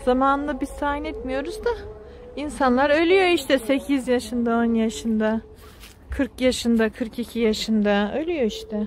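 Speaking very slowly, a woman with a high pitch uses lively intonation, in a dry sound with no echo and light background noise. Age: 40s. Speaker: vlogger. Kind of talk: vlog narration. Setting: outdoors. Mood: calm, reflective, religious. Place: open country. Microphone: phone near.

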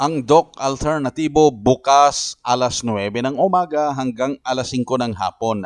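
Delivered at a fairly slow pace with ordinary pitch variation, an ordinary speaking voice comes through in a dry, close sound with no echo. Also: man, medium pitch for a man. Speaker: radio health program host. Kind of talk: radio program presenting. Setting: radio studio.

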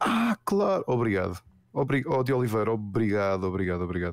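This man has a plain, everyday voice, fairly low in pitch, and talks at a fairly quick pace. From Portugal, Lisbon (Olivais). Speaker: games journalist and editor. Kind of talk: casual chat. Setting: live stream talk show.

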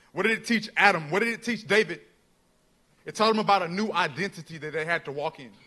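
Projecting his voice loudly, a man talks very fast at a high pitch with a bright, sharp tone, ordinary pitch variation, and big swings in loudness against a quiet background. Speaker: preacher. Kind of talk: sermon. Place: church. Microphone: handheld.

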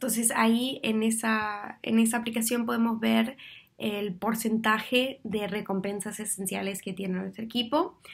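Against a quiet background, a woman with a fairly high pitch and a somewhat breathy voice speaks fairly slowly with fairly even intonation. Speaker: network marketing leader. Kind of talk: tutorial. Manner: casual, friendly. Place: home room. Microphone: webcam.

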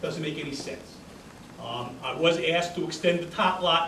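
Words come at a moderate pace. Behind them sits noticeable background noise. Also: man. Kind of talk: public meeting address. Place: meeting room. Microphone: camera far.

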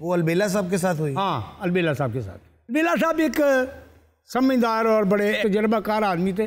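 A man's high-pitched voice with very wide pitch swings, at a moderate pace, against a quiet background. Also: very even loudness. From Punjab, Pakistan. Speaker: stage comedian. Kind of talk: casual chat. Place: studio. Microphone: lapel.

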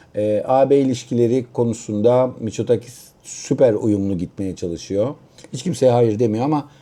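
With ordinary pitch variation, a man talks at a medium pitch and a moderate speed. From Turkey. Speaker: real estate consultant. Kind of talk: vlog monologue. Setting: hotel room. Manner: halting, many filler sounds.

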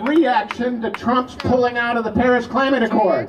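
Background noise is light. A man speaks at a high pitch. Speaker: climate march organizer. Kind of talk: rally speech and mock eulogy. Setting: outdoors, on City Hall steps. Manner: formal, oratorical. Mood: playful mock eulogy. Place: street.

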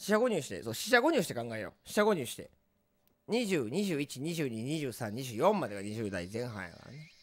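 A man with a Kansai accent speaks at medium pitch. His pitch swings very widely and his loudness swings a lot. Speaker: game streamer. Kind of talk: live gameplay stream. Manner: casual, fast.

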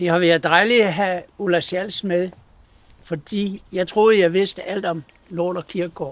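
A man speaks fairly slowly in a high pitch, with fairly even intonation. The sound is dry, with no echo. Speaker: church committee vice-chair. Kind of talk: guided tour talk. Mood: cheerful, relaxed. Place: street.

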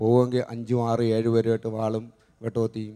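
A man's dark, mellow voice sits at a medium pitch over a quiet background. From Thiruvananthapuram, Kerala; Kerala. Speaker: former criminal giving testimony. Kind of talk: testimony. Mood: earnest, emotional. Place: stage. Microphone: handheld.

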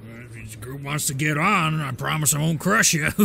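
A raspy, put-on character voice moves at a moderate pace. Clear background noise is present. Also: man, fairly high pitch for a man. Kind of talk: in-character role-play dialogue. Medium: actual play. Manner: casual, good-natured. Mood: reassuring.

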